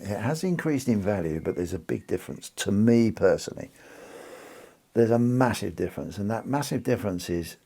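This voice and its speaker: A man's voice: sits low, gravelly, warm tone, husky. A British man hosting a precious metals channel, chatting casually and rambling with lots of restarts. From United Kingdom. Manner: rambling, restarts and fillers, informal. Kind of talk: casual chat to camera.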